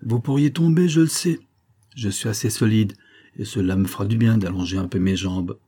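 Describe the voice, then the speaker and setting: A man's voice: on the low side, normal speed, mellow, natural voice. A man doing a jovial gypsy. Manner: jovial, familiar. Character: easygoing male gypsy on a donkey.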